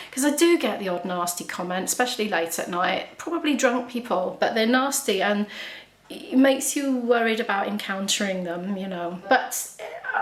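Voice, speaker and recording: A woman's voice: mid-range voice, reverberant. A woman, chatting candidly to camera as she answers viewer questions, laughing often and restarting sentences. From Wales. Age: 40s. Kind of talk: casual chat.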